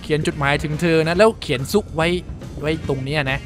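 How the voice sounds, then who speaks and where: A man giving casual gameplay commentary, excitable, swearing freely and exclaiming as he plays. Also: on the high side, a little fast, soft background music. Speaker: gameplay streamer.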